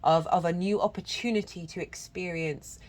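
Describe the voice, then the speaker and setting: A woman's voice: fairly low pitch, steady tone, moderate pace. A woman giving a channelled tarot reading, congested from a cold. She talks in an earnest, meandering way with many restarts and breaks into chanted syllables. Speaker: tarot reader.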